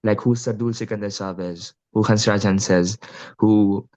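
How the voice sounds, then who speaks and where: This young guest musician has an Indian Punjabi accent and a lowish, darkish voice with fairly even intonation, speaking at normal speed. During casual interview talk he comes across as earnest, frequently using "you know" and "like."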